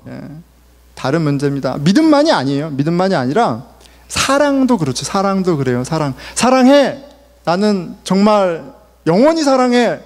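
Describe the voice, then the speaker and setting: A man's voice: high voice, darkish tone, big-room sound. A male pastor in his forties preaching a sermon in a conversational way, asking the congregation questions and telling family stories. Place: church sanctuary.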